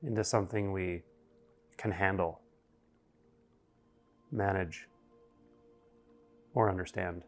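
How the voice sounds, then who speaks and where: Over faint music, a low-voiced man guides a meditation in a very even delivery with little melodic movement. His phrases are short and deliberate, separated by long pauses.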